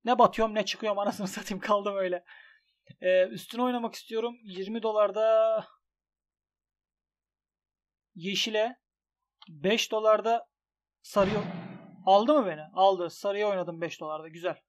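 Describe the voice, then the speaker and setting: High-voiced excitable young man. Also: normal speed, long pauses. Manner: excitable, swings from grumbling to shouting at losses. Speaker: gaming YouTuber. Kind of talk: commentary on an online gambling site.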